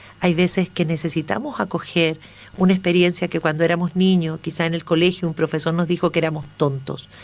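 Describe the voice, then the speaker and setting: Speaking at a fairly quick pace, a woman with a normal speaking voice keeps her fairly low pitch in fairly even intonation. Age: 50s. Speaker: author. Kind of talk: radio interview.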